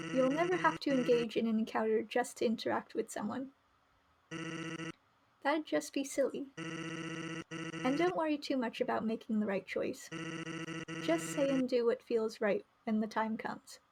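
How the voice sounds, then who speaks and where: A woman's voice: a little high, a little slow, long pauses, darkish tone, slight background noise, poor audio. A woman voicing a laid-back, joking male skeleton in a game, casual, teasing and reassuring. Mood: easygoing, teasing.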